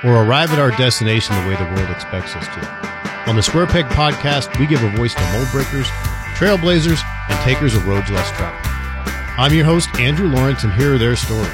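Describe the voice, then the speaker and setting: A middle-aged man hosting a podcast, chatting casually and gently ribbing his guest. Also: medium pitch, lively intonation, a little fast, loud music behind the voice. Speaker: podcast host. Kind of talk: casual interview chat.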